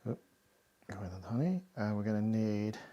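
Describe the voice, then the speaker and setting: A man's voice: on the low side, animated, moderate pace, highs cut off. A man hosting a casual home cooking tutorial, chatty and self-deprecating as he walks through each step. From Hakka Chinese family. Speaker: cooking show host.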